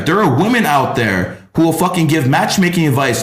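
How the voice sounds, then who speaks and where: Audible echo from the room hangs around a man's voice as he talks. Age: 40s. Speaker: numerology teacher. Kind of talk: casual chat. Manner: animated.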